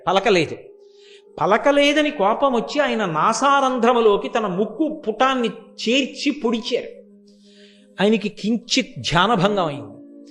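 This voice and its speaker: High-voiced man telling a devotional story. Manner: animated storyteller acting out characters' quoted words. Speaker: religious discourse speaker.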